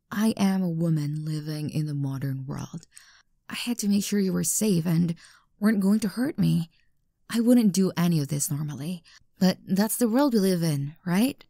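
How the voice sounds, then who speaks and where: A woman's voice: lowish voice, darkish tone, no room sound, studio quality, heavily acted. A woman playing an obsessive, unstable young stalker girlfriend in an intimate ASMR roleplay, sweet and menacing by turns. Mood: breezy, self-justifying. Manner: breathy whispers, halting, swinging from coaxing to outbursts. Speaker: voice actor in audio roleplay.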